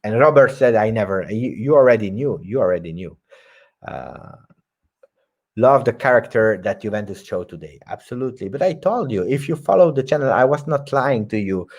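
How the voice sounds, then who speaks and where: A man's voice: mid-range voice, animated, normal speed, a little mellow. A man hosting a live post-match football reaction stream, talking emphatically and reading viewer comments aloud. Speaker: football channel host.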